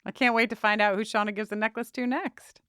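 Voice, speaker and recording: A woman co-hosting a podcast in a casual recap chat, animated, swearing freely, acting out characters' lines. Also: mid-range voice, quick pace, clear, resonant tone, no echo, studio quality. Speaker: podcast co-host.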